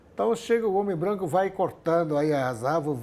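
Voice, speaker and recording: Lively intonation from a man with a high pitch, delivered at a moderate pace. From Brazil, Rio Negro, Amazon. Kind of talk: interview. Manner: halting.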